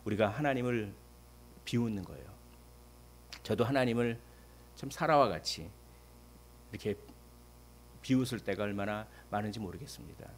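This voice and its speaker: A man preaching a Sunday sermon as pastor, swinging from loud calls to soft asides. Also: fairly low pitch, moderate pace, long pauses. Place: church sanctuary.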